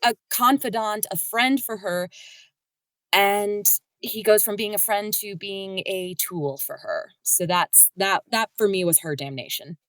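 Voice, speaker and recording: A woman's voice: medium pitch, a little slow, fairly bright tone, no room sound. A woman talking casually and expressively on a podcast, with emphatic phrasing. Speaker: voice actor discussing an audio drama.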